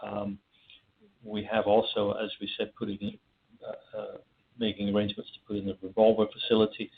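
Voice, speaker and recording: A man, a company executive, answering analysts' questions on an earnings call, halting with many fillers and restarts. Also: lowish voice, completely flat delivery, creaky, breathy edge. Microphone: phone. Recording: tinny phone line.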